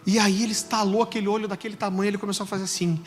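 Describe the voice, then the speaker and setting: Brazilian pastor guy in his 40s, funny stories then real earnest, kinda high voice, soft music behind. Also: fast. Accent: Brazilian Portuguese. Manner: animated, joking storytelling that turns soft and earnest. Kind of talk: sermon. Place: church service. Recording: long church reverb with soft music.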